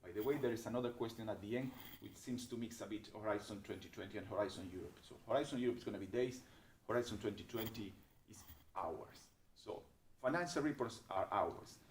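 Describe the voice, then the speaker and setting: A man's voice: on the low side, fast talker, a little hiss or hum. Methodical man explaining rules in a roomy space. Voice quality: strong voice. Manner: methodical, explanatory, with frequent restarts and hesitations. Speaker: expert presenter answering questions. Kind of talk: webinar Q&A explanation. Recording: roomy webinar audio with a distant mic.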